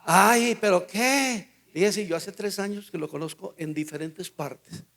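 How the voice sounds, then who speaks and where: An older man with a Colombian Spanish accent, a pastor teaching a Bible study through lively anecdotes with acted-out dialogue. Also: a little high, normal speed, gravelly. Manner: storytelling, acts out dialogue in quotes.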